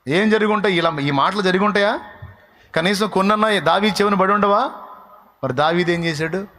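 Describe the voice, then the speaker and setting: A male pastor delivers a lively sermon, firing off rhetorical questions and bursts of praise. His voice sits somewhat high for a man. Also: a little fast.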